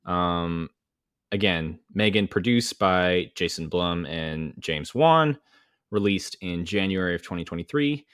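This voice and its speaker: A man with a very low voice co-hosts a laid-back movie podcast. He is chatty and quick to laugh, and the sound is close and dry, with no room around it. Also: clear, resonant tone, no echo. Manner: laughs easily, relaxed and chatty. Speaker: podcast co-host. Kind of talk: casual movie podcast chat.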